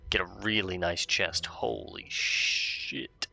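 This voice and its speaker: A man's voice: sits low, slow, sharp tone. A man hosting a let's play, laid-back as he talks through quests and reads the quest text aloud. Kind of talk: casual gaming commentary.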